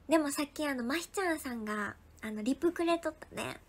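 Animated and fairly quick, a young idol livestreamer with a high, bright voice chats through her viewers' comments. She thanks them by name one after another, dipping into soft, hushed asides along the way.

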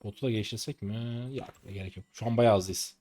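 A man in his late twenties giving live gameplay commentary as a streamer, excitable and exasperated, with rough slangy banter at teammates. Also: on the low side, brisk. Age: late 20s. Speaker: gaming streamer.

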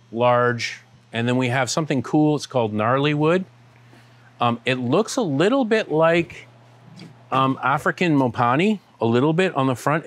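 A middle-aged man, a shop owner, giving a casual walking tour of his large indoor aquarium shop and warehouse, talking with lots of "um" fillers. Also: mid-range voice. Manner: relaxed, many "um" fillers, pointing at products as he walks.

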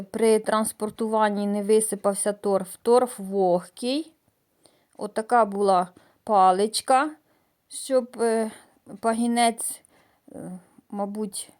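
A middle-aged woman from the Mykolaiv region of Ukraine, chatting homely and hesitantly in a casual vlog, with many fillers and pauses. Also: medium pitch, darkish tone. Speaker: gardening vlogger. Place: outdoors in a village garden. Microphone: voice-over added after filming.

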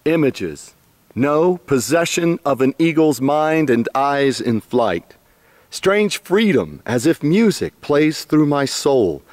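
A man reciting his own poem dramatically and fervently, halting phrase by phrase. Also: a little high, very animated, darkish tone, dry recording.

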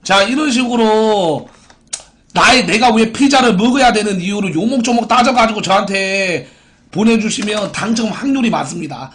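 Very high-pitched, brash young male streamer. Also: moderate pace, a bit bright. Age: 20s. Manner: brash, crude, mocking. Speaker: live-stream host. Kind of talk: live-stream commentary, reading out viewer posts and picking winners. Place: small indoor room at a computer.

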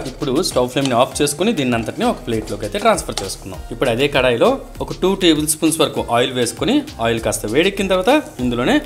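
A fast-talking man with a mid-pitched voice hosts a cooking voice-over. He guides viewers through each step in an instructional manner. Music plays behind him. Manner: instructional, addressing viewers directly. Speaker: host of a cooking channel. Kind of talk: recipe voice-over narration, step by step.

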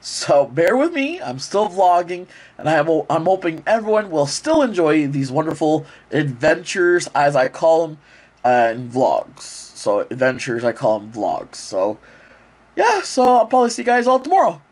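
A vlogger congested with a cold rambles chattily to a handheld action camera held at arm's length, using many fillers as he goes from his bedroom out onto the streets and into a store. His voice is fairly high and very animated, at a moderate pace. There's no echo.

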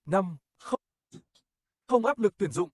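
Giọng nam cao, khô, đọc quảng cáo. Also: male voice, high voice, expressive, takes it slowly, breathy edge, no room sound. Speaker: advertisement narrator. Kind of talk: scripted promotional narration.

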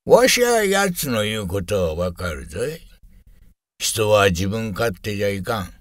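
A man's voice: lowish voice, big pitch swings, measured pace, dry recording, studio quality. A man voicing a kindly, wise old grandfather in a family drama, admonishing in folksy old-man speech. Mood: gently admonishing.

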